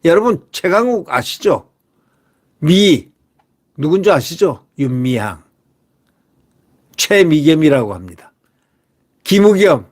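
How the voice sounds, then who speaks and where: A man's voice: a little high, sing-song, takes it slowly, pauses often. A man hosting solo political commentary, talking emphatically and firing rhetorical questions at his viewers while repeating his catchphrases.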